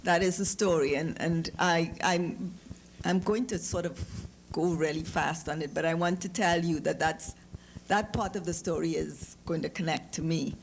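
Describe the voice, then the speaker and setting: A middle-aged woman author with a Trinidadian accent and a deep, gravelly voice reads a literary story aloud at a live lecture event. Her phrasing is measured and deliberate, broken by informal asides to the audience. The recording carries noticeable background noise and clicks.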